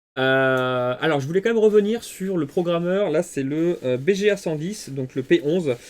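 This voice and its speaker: Lively intonation colors a man's high voice. He speaks with hardly any pauses. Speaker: phone repair technician / YouTuber. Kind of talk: repair tutorial. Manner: fast.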